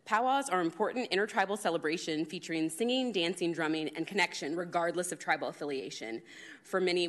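A woman's voice: fairly low pitch, fairly bright tone. A woman commissioner at a city meeting, reading prepared award remarks earnestly into a podium microphone. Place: city council chamber.

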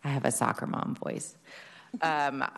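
A woman from Sacramento, an architect and new commissioner, introducing herself loudly and eagerly. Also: a bass voice, fairly even intonation, a little slow. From Sacramento, California. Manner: loud, eager, enthusiastic. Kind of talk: self-introduction at a public meeting.

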